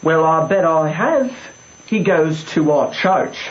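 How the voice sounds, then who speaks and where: An actor playing a nervous country boy bluffing as a valet in an old radio drama, halting, stammering and evasive. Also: fairly high pitch, animated. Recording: muffled, roomy, hissy old radio recording.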